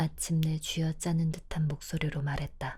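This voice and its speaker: A woman speaks in a very deep, low voice that is somewhat breathy. Her intonation is monotone and flat, and her pace fairly slow. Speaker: audiobook narrator. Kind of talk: bedtime audiobook reading. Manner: calm, soft-spoken.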